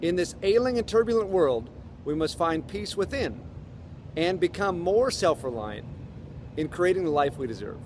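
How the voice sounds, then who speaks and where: A man's voice: sits high, very animated, moderate pace, a little mellow, a little hiss or hum. A man reading a scripted inspirational manifesto aloud.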